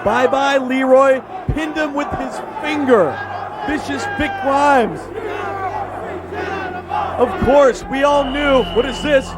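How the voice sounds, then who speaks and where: A man giving excited, exclamatory live wrestling commentary as play-by-play announcer, often shouting. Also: very high voice, slow, long pauses. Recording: noisy arena, loud crowd. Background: loud wrestling crowd.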